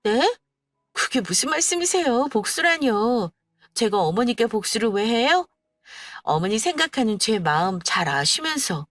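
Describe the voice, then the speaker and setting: A woman's voice: a little high, sing-song, measured pace, a bit bright, dry recording, faint music behind, full character voice. A woman voicing a young daughter-in-law whose overly sweet, mock-polite talk carries sarcasm. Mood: mock-innocent.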